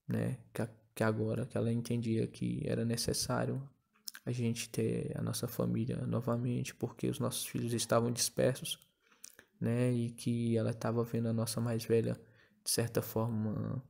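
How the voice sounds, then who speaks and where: A man's voice: mid-range voice, completely flat delivery, unhurried, gravelly, dark tone. A man in his thirties with a Brazilian Portuguese accent gives a casual spoken testimony, hesitant and often repeating words with a tag question. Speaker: testimony giver.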